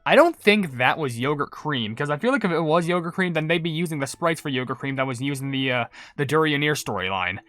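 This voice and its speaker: Casual, rambling game commentator with lively pitch. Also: quick pace, few pauses, no room sound. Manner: rambling, hesitant. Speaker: gaming video maker.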